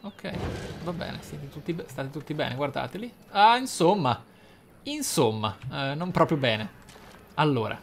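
A man commentating on his role-playing game playthrough, musing aloud theatrically with pauses for emphasis. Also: on the high side, big pitch swings, vocal fry, a little hiss or hum. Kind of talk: let's play commentary.

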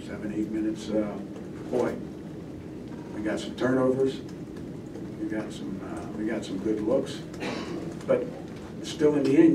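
An older man coaches his way through a post-game press conference, rambling and trailing into mutters. His voice sits at an ordinary pitch. The table mic catches him from a distance in an echoey, noisy room. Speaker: head coach. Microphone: table microphone.

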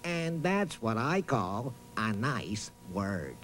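A man's voice: on the low side, sing-song, takes it slowly. A man voicing a friendly, absent-minded talking boot who hosts a children's reading show in a hesitant, chatty way. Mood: cheerful, proud. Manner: hesitant, bumbling, chatty, hums nonsense syllables. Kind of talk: playful children's educational presenting.

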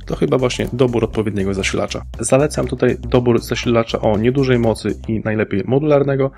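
Male reviewer, mid-pitched, slightly gravelly, measured scripted voice-over with faint music underneath. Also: a little mellow. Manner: precise, measured technical delivery. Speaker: hardware reviewer.

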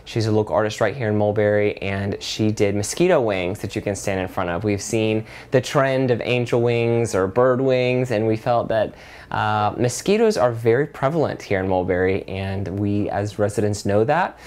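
An earnest man in his thirties, speaking as a city program director. His voice sits a little low, and he talks with plenty of fillers and restarts. He is recorded close on a lapel mic. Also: normal speed, a little mellow. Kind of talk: interview. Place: office with window blinds.

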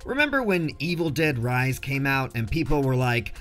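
A man's voice: mid-range voice, very animated, moderate pace, a bit bright, soft background music. A man narrating a casual scripted film review in a jokey, slangy way.

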